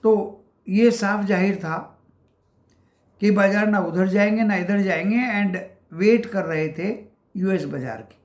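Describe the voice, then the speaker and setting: A man hosting a stock market channel, giving casual market commentary. He calls his viewers friends and walks through price levels with many pauses. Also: high voice, roomy sound.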